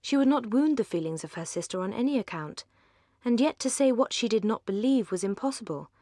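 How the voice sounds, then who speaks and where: A woman's voice: on the high side, expressive, mellow, no room sound, studio quality. Poised English woman narrating an audiobook. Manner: poised, measured. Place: studio.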